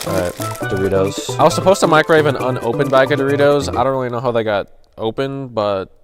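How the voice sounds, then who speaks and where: Casual young man over loud music. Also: medium pitch, fast. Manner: goofy, easily startled, rambling. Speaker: youtuber. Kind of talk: casual commentary.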